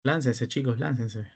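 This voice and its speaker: This medium-pitched, slightly rough voice belongs to a young Peruvian Spanish-accented man. He's peer tutoring through an online class lecture, explaining methodically and regularly checking in with the class.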